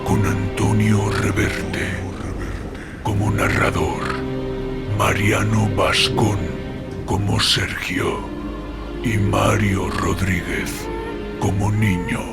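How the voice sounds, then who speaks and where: A man's voice: lowish voice, completely flat delivery, very slow, gravelly, long pauses. A man as a horror show announcer, giving a scripted, theatrical outro in an ominous, menacing manner. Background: very loud music.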